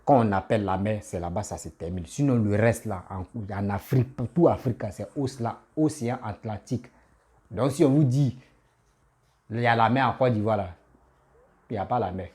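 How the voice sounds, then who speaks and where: A man's voice: on the low side, normal speed, a little mellow, slightly rough. A man who has a cold, giving a casual, insistent political rant that scolds his listeners. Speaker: political commentator.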